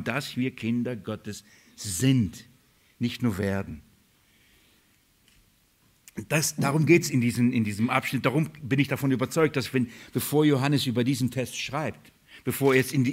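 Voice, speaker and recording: A man preaching a sermon, stressing key words, asking rhetorical questions and dropping to quiet lines. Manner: swings from loud stress to quiet lowered lines.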